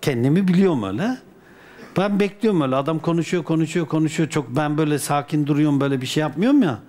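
A man from Turkey, a dervish, telling a personal anecdote in a colloquial, lively way with folk sayings. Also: on the high side, very fast. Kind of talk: casual spoken anecdote.

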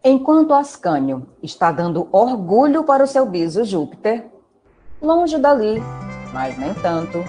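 Animated Brazilian woman narrator over music. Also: mid-range voice, a little slow. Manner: wry, playful asides. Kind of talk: humorous scripted narration. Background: music with guitar.

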